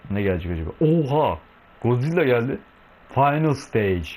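A young man talks his way through a video game from his home, casual and full of slang. He banters with the on-screen monsters as if they were pals. His voice sits at an ordinary middle pitch for a man. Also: sing-song, normal speed, darkish tone. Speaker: gaming video host. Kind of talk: casual let's-play commentary.

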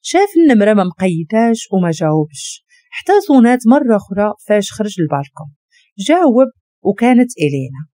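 Moroccan woman narrator for a drama story, warm lively voice, dry close sound. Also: medium pitch, a little fast, no room sound. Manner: steady expressive narration.

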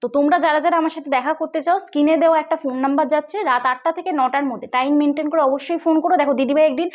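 A woman's voice: sits high, fairly even intonation, rapid-fire. A woman with a West Bengal accent hosting a tech vlog, explaining things chattily and often checking with listeners. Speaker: tech channel host. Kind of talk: casual tutorial vlog.

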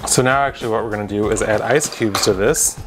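A young man hosting a home cooking demonstration in his kitchen, talking straight to the viewer with deadpan joking asides. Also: lowish voice, fast, very noisy. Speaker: cooking show host.

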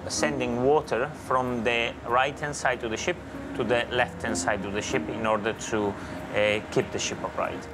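Brisk male ship officer giving commands. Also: medium pitch, fairly even intonation, loud music behind the voice. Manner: brisk, procedural. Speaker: ship's bridge officer. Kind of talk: radio commands on a ship's bridge.

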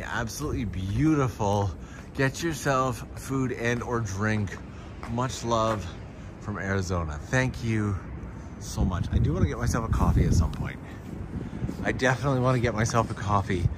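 A man hosting a casual walking livestream outdoors, answering viewer questions in a relaxed, chatty way. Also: lowish voice. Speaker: vlogger and livestream host. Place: outdoors on city streets. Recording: street noise behind the voice. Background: street ambience and passing vehicles.

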